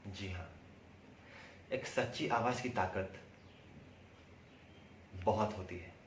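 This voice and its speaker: Slow, deliberate Indian man in echoey room. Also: lowish voice. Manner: deliberate, emphatic, with pauses and repeats. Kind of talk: prepared testimonial to camera. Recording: roomy echo, distant mic, faint noise.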